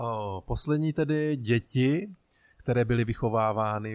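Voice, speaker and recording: A man's medium-pitched voice at a very slow pace, with ordinary pitch variation, in a very clean recording with a silent background. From Czech Republic, Vietnamese family. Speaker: podcast co-host, digital entrepreneur. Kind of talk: casual chat. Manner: halting, many fillers.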